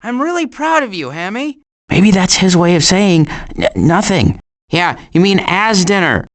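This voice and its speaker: A wry cartoon woodland animal for a video game, with very lively, swinging intonation. He is nervous and sarcastic, with an exasperated edge to his delivery. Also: sits high, unhurried.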